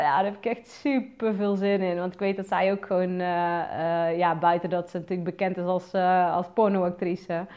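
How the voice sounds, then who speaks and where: A woman with a Brabant accent, a business coach chatting casually on a livestream, full of fillers and casual swearing. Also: mid-range voice. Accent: Brabant Dutch. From Netherlands, North Brabant. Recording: slightly dull lo-fi sound.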